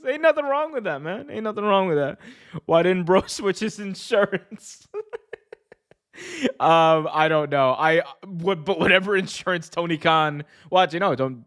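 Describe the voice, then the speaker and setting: A man's voice: on the high side, a bit bright. A man with a North American accent hosts a casual livestream, chatting with viewers in slangy, sweary language and often breaking into laughter. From United States. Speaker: wrestling show host and livestreamer. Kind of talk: casual livestream chat reacting to viewer comments.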